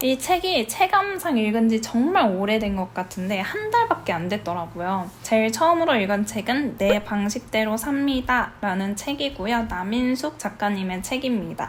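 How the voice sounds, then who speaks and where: With music in the background, a woman speaks at a fairly slow pace with hardly any pauses. Her voice is fairly high, and her intonation is lively. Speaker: book youtuber. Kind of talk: casual book review chat.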